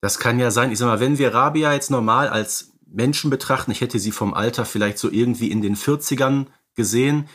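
A man's voice: mid-range voice, a little fast, few pauses, a bit bright. A man co-hosting a film analysis podcast, talking conversationally and emphatically, repeating words for stress. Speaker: podcast co-host.

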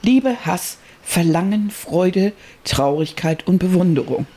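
A woman's voice: fairly low pitch, lively intonation, slow, warm tone, breathy edge. A woman co-hosting a podcast, explaining ideas in a reflective way with many fillers and restarts. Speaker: podcast co-host. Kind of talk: casual conversational chat.

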